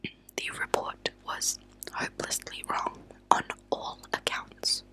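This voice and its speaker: A woman hosting ASMR, speaking in a soft, breathy, unvoiced whisper with a hushed, deliberate delivery and pauses. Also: rough recording. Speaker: ASMR channel host. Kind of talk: whispered ASMR true-crime reading. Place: at a desk indoors.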